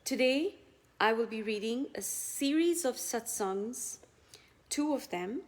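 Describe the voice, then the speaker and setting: Slow-paced woman reading devotional testimony. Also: a little high, expressive. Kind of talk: scripted devotional reading aloud.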